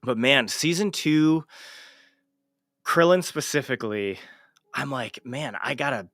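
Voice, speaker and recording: A man's voice: medium pitch, unhurried, a bit bright, dry recording, studio quality. A man hosting a casual livestream interview, talking informally and swearing freely. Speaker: show host and amateur voice actor.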